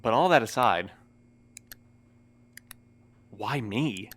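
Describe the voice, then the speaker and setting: A man's voice: medium pitch, lively intonation, drawn-out words, fairly bright tone, exaggerated voice. A man playing a formal, weary, wry postmaster in an audio drama, speaking in precise, wordy sentences. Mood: guarded, formal. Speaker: voice actor in a fiction podcast. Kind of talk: scripted audio drama acting.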